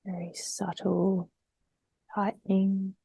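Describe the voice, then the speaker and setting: A woman leading a guided meditation in a soft, breathy, gentle voice, unhurried and trailing towards a whisper between long pauses. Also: medium pitch, level tone, slight background noise.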